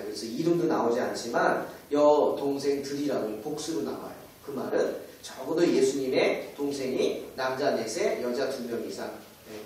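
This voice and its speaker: A man's voice: mid-range voice, darkish tone, a little hiss or hum. A man pastor preaching a sermon dramatically, often asking the congregation rhetorical questions. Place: church sanctuary. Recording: echoey church hall, mic far off.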